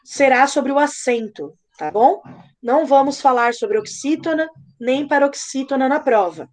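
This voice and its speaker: High-voiced woman teaching children. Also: animated, darkish tone. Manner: playful, patient, spells things out slowly. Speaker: primary school teacher. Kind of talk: live online class lesson.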